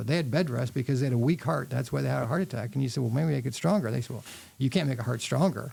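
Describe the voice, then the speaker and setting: The voice has a dark, mellow tone with vocal fry. The recording is very clean, with a silent background. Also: man. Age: 60s. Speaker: exercise physiologist. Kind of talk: casual chat. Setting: studio. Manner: animated.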